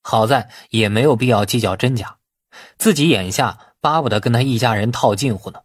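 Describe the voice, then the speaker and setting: A male audiobook narrator reads scripted fiction in dramatic fashion. His mid-pitched voice has a husky grain, recorded very dry. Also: a little fast, no echo.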